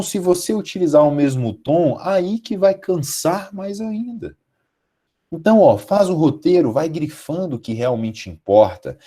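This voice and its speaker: A man's voice: on the high side, warm tone, slightly rough. A Brazilian man, a law professor, giving a live online lecture to his students, emphatic and full of rhetorical questions. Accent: Brazilian Portuguese.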